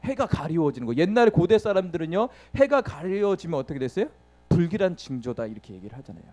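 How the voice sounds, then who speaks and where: Very fast and very animated, a man preaches in a slightly high voice with a darkish tone. He asks the congregation questions and answers them himself, acting out the tale with sound words and laughing often.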